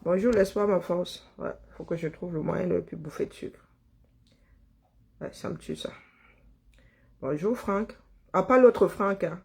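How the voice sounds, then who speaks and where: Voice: mid-range voice, measured pace, vocal fry, long pauses, a little mellow, slightly rough. A livestream host, chatting casually and greeting viewers by name, rambling and chuckling and stumbling over words.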